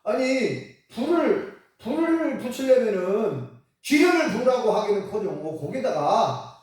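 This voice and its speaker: A woman's voice: a little high, unhurried. A woman preacher telling a story in a sermon, asking the congregation questions and acting out quotes. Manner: animated, asks the congregation questions, acts out quotes. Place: church sanctuary. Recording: echoey church from far off.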